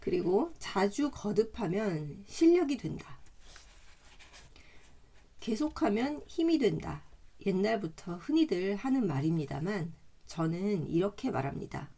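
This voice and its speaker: Gravelly-voiced woman reading a book aloud. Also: medium pitch. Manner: calm, measured reading with chatty side comments. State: slightly hoarse throat. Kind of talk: reading a self-help book aloud with asides.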